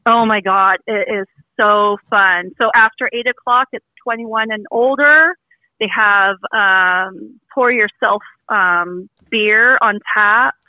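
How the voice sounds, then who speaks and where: A woman's voice: medium pitch, takes it slowly, no room sound. Woman talking over a tinny phone line. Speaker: caller. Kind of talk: casual chat.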